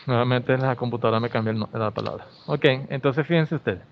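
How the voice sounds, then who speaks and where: A man's voice: mid-range voice, fast, a little hiss or hum. A male English teacher, explaining grammar in an online class and often checking in with "ok?". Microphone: video call. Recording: slightly dull video-call audio.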